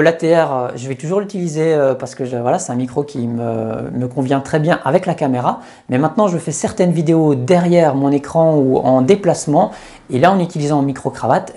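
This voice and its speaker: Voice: mid-range voice, mellow. A YouTuber reviewing gear in a chatty, step-by-step way with many hesitations, speaking into a lapel mic. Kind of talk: casual tech review. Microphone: lapel microphone.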